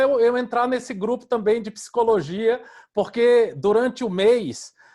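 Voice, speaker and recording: A man's high-pitched voice, animated in tone, at a moderate pace. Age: 60s. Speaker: online interview show host. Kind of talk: casual chat. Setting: video call.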